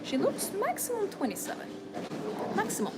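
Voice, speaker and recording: A woman's voice: very high voice, wildly swooping pitch, moderate pace, very noisy. A woman hosting a live stream as a femininity coach, chatting and encouraging her viewers with frequent fillers and restarts. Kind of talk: live-stream talk answering viewers' comments.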